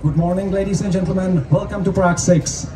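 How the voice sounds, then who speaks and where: A man with a Czech accent interpreting formally and in measured phrases as a host on an open-air festival stage. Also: sits high, little pitch movement. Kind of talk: live consecutive interpreting at a public event. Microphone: handheld mic through PA, recorded from audience. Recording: roomy, distant stage PA sound with noise.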